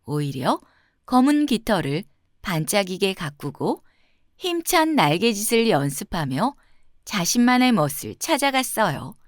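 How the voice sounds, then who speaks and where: A woman storyteller narrating a children's fairy tale from a script, with expressive, carefully phrased delivery. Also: medium pitch, unhurried, dry recording, clean studio sound.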